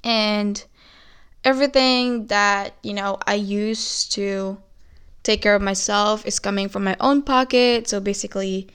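Chatty young Filipino woman, smooth voice. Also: medium pitch, steady tone, a little slow, fairly bright tone. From Philippines. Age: young adult. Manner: chatty, switches between Tagalog and English. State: a little nervous. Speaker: podcast host. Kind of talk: casual solo podcast chat. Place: bedroom. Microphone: phone recorder.

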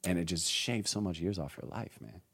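A man around forty hosting a casual podcast chat, laid-back and quick to laugh. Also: sits low, expressive, creaky, fairly bright tone, slightly rough, no echo. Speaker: podcast host.

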